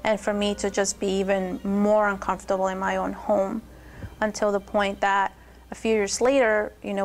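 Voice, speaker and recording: A young adult woman from Peru telling her personal testimony in a steady, earnest way. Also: medium pitch. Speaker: testimony speaker.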